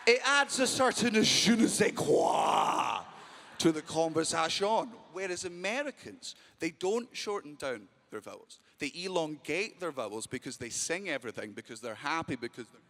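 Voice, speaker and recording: High-voiced brash stand-up comedian. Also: male voice, big pitch swings, normal speed, slight background noise. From Britain. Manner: loud, brash, heavy swearing, bursts of shouting. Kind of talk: stand-up comedy to a live crowd. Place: live venue with a crowd.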